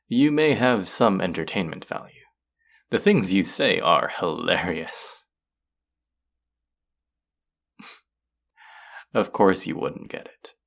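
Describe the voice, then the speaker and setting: An actor playing a haughty, mocking, cultured alien buyer in an audio roleplay, speaking to the listener in a deliberate, condescending, theatrical way. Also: low voice, creaky, exaggerated voice. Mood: teasing, condescending.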